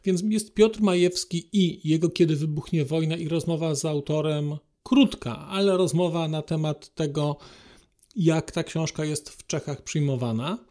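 A man hosting a podcast, speaking formally and politely to listeners in a halting monologue. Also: fairly high pitch, warm tone. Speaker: podcast host.

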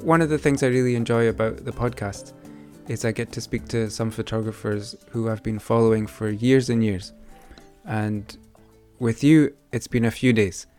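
A man's voice: mid-range voice, moderate pace, darkish tone, faint music behind. A man hosting a photography podcast, talking in a friendly, hesitant way with many fillers. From United Kingdom. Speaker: podcast host. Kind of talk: casual interview.

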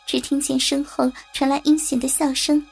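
A woman narrates a story in a steady, even reading voice. Her voice is high with a light gravelly texture. Faint music runs beneath the narration. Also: normal speed.

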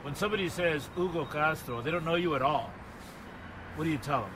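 A man hosting a podcast interview who speaks with open admiration for his guest and often fills pauses with "uh". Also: a little high. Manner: warm and admiring, with frequent filler "uh". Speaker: podcast host. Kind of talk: conversational interview. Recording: outdoor traffic noise.

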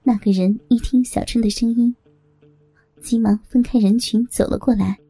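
Female audiobook narrator, husky, gravelly, mellow tone, dry close recording, faint music under. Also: a little high, moderate pace, no echo. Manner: steady first-person storytelling.

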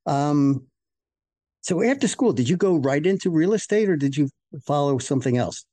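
Guy hosting an interview, warm tone, swingy pitch, dry close sound. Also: lively intonation, dry recording. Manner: friendly, halting questions. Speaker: interview host. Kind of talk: interview, conversational.

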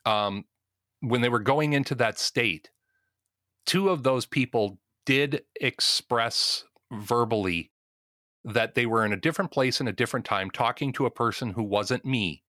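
Bright-toned deliberate podcast host, man. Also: mid-range voice, dry recording, clean studio sound. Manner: measured, deliberate, leads the questions. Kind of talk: podcast discussion.

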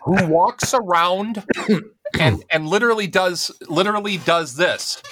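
A man's voice: high voice, a little slow, sharp tone. A man co-hosting a casual comedy podcast, telling rambling self-mocking stories. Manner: rambling storyteller, self-deprecating. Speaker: podcast co-host.

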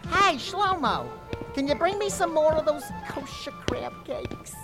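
A woman's voice: sits high, lively intonation, measured pace, over music. A woman playing an effusive, motherly Jewish matchmaking rabbi in a comedy audio drama, gushing and coy. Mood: chatty hospitality. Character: effusive matchmaking woman rabbi, chatty, secretly scheming host.

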